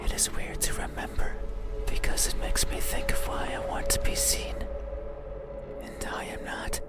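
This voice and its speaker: A man voicing a lonely, creepy demon from a horror game who yearns to be seen, speaking in breathy whispers with halting, formal phrasing. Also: lightly acted. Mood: brooding. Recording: loud music behind.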